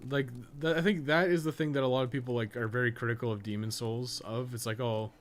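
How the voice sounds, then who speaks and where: A man's voice: mid-range voice, steady tone, fast. A man giving casual, rambling live gameplay commentary as a streamer, with some swearing. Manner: casual, profane, rambling asides. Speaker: game streamer and podcast co-host.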